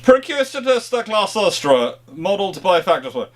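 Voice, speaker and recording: Higher-pitched man explaining informally. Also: big pitch swings, unhurried. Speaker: host of a history question-and-answer show. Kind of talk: informal unscripted explanation, question-and-answer chat.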